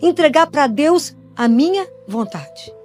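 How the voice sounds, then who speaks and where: A woman's voice: high voice, animated, slow, a little mellow, faint music behind. A Brazilian woman preaching a sermon in a conversational way, asking many rhetorical questions. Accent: Brazilian Portuguese. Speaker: Catholic speaker and pediatrician. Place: church gathering after communion.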